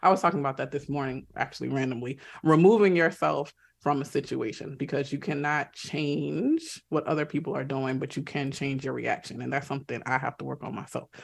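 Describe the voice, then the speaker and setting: At a fairly quick pace over a quiet background, a woman with an American accent speaks at a very deep, low pitch with vocal fry. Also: ordinary pitch variation. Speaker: psychiatrist. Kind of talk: radio call-in interview. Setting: studio.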